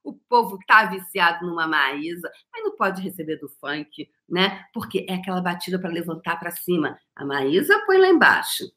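A woman's voice: fairly low pitch, sing-song, normal speed, few pauses, pushed and bright. A woman hosting a motivational podcast on energy cleansing. She talks to her listeners in a playful, theatrical way, full of rhetorical questions.

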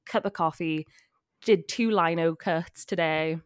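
Brief: bunged-up woman, low-ish voice, chatty, very dry close sound. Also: measured pace, clear, resonant tone, dry recording. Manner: chatty, with filler likes. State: congested with a cold. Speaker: podcast co-host. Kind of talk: casual chat.

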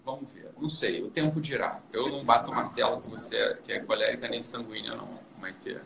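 A man hosting a casual chat, explaining personality temperaments to a young guest in an animated, teasing way. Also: medium pitch, quick pace. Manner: animated and teasing, often tags "entendeu?". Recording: roomy room with clear background noise.

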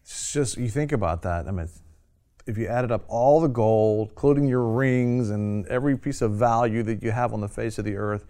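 A man's voice: on the low side, normal speed, dark tone, clean tone. Earnest man hosting a talk show. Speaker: host.

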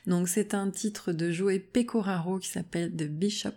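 A woman's voice: medium pitch, fairly even intonation, moderate pace, dark tone. A woman hosting her own podcast as a naturopath, talking casually with many fillers and restarts. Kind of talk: casual solo podcast talk.

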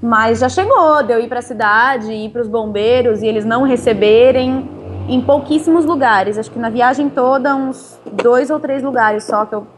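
Woman, casual slang, laughing often, bit high-pitched, interview guest. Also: normal speed, a little hiss or hum. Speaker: interviewee, touring cyclist.

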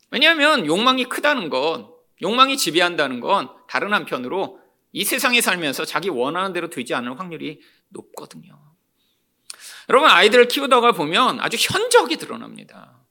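A male pastor preaching an expository sermon, animated and often calling out to the congregation. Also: sits high.

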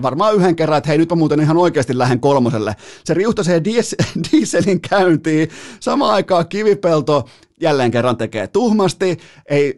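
A man hosting a sports podcast, rambling and animated as he tells a match story, with lots of fillers and laughs. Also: a little high. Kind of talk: casual sports chat.

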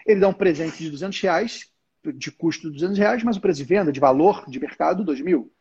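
A high-pitched, slightly husky man teaches on a casual live stream, talking straight to his viewers and acting out bits of a salesman's pitch. He speaks into a headset, and the audio comes through a little dull and lo-fi. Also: a little fast, a little mellow. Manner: informal, addresses the audience directly, acts out salesman dialogue.

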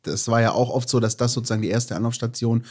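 A man's voice: medium pitch, steady tone, fast talker, breathy edge. Male podcast host, mid-range voice, casual conversational moderation of football talk. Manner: conversational, addresses co-host and listeners directly.

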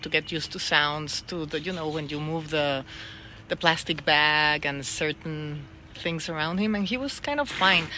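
A woman's voice: low voice, bright, forceful tone, a little hiss or hum. Chatty woman. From Mexico. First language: Spanish. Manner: chatty, self-deprecating, coaxing with animals. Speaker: vlogger and TV talk show host. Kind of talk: casual chat to camera. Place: outdoors at a small ranch.

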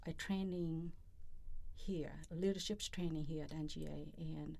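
Earnest middle-aged woman, lowish voice, halting and heartfelt. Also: fairly even intonation, vocal fry, darkish tone. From Vietnam. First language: Vietnamese. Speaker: interviewee, federal employee. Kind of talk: personal interview.

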